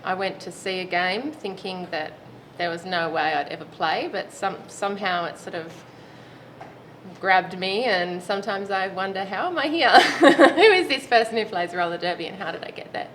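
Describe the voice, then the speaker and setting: A woman's voice: medium pitch, moderate pace, fairly bright tone. A woman in her late thirties, a roller derby player chatting in an interview and laughing now and then. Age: 30s. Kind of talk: casual interview answers. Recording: noisy background.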